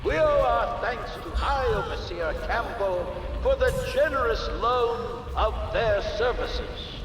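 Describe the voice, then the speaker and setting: An actor playing a pompous, authoritarian regent in a video game, making a formal, measured public announcement. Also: male voice, extremely high pitch, expressive, background noise, full character voice. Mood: stern, formal. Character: pompous authoritarian male regent addressing his citizens. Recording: echoing outdoor public address.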